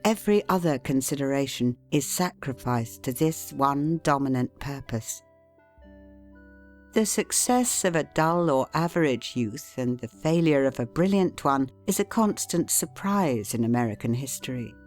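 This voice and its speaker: Low-voiced woman reading an audiobook. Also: expressive, a little mellow, soft background music. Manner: measured, deliberate reading with emphatic pauses. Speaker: audiobook narrator. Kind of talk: scripted narration of a classic self-help book.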